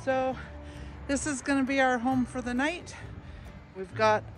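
A woman's voice: high-pitched, fairly even intonation, a little slow. A woman in her forties, a travel vlogger, chatting casually to a phone held at arm's length outdoors and inside her RV. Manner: chatty, easygoing, talks to her dogs. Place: outdoors in a parking lot, then inside an RV. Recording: background music under the voice.

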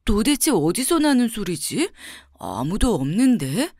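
A woman's voice: mid-range voice, big pitch swings, unhurried, a little mellow, dry recording, studio quality. A woman voicing a simple-hearted young bachelor son in a bedtime storybook reading, talking in a naive, earnest way. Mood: cheerful, naive.

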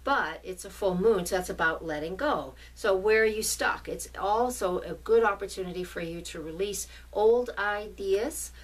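A woman's voice: medium pitch, moderate pace, few pauses. Chatty New England woman astrologer. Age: middle-aged. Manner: chatty, checks in with listeners. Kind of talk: casual forecast video. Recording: voice a bit distant from mic.

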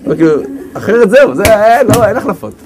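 A man giving a storytelling religious lecture, lively and acting out the characters as he goes. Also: high-pitched, a crowd in the background. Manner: lively, acts out characters with big swings of voice. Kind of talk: storytelling sermon.

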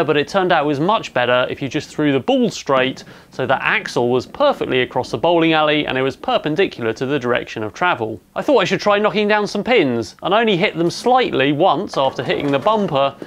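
A man's voice: on the high side, expressive, brisk, few pauses, a bit bright. A man in his thirties with an English accent, narrating his maker project in a matter-of-fact, technical way on a lapel mic. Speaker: maker vlogger. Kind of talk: explanatory voice-over narration. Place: home robotics workshop in an attic. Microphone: clip-on lapel mic.

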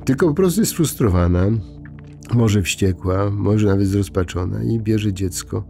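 Gravelly, mellow-voiced priest musing at bedtime. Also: male voice, on the low side, animated, faint music behind. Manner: unhurried, conversational, many hesitations and restarts. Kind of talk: informal bedtime reflection.

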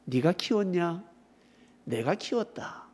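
A man voicing God as a patient father figure who gently scolds a sulking prophet, asking slow, drawn-out questions in old-fashioned biblical phrasing. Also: high-pitched, expressive, heavily acted. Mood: gentle rebuke.

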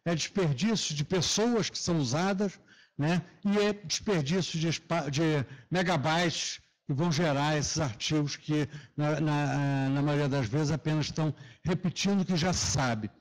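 A male lecturer speaks in a somewhat high voice with a Carioca accent from Rio de Janeiro. His s sounds come out as a hushing sh. He delivers a semi-formal academic talk, explaining points from slides. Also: normal speed. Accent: Carioca (Rio de Janeiro) Brazilian Portuguese. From Rio de Janeiro, Brazil. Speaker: lecturer, professor. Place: lecture auditorium.

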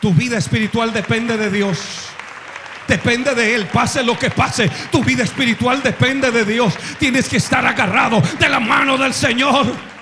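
A male pastor preaching a sermon to his congregation, swinging from hushed asides to shouted passages. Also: very high-pitched, fairly even intonation, normal speed, crowd noise, background noise. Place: church with congregation.

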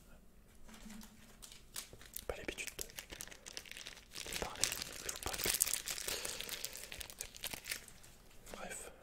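A young man playing a withdrawn, cynical young hacker in a hesitant, murmured ASMR roleplay. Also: natural voice. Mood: withdrawn, awkward. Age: young adult. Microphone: close-up mic, seated at desk.

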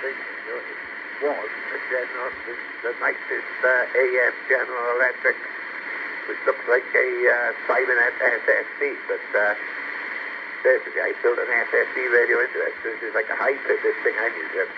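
A man's voice: medium pitch, fairly even intonation, normal speed. A man chatting casually as a CB radio operator, heard through a radio transmission. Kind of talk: casual radio contact chat. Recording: dull CB radio with heavy static.

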